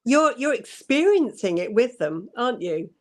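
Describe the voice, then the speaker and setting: A woman guest on a casual book chat, unhurried, searching for words and laughing easily. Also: fairly high pitch, very animated, darkish tone, slight background noise. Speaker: guest co-host.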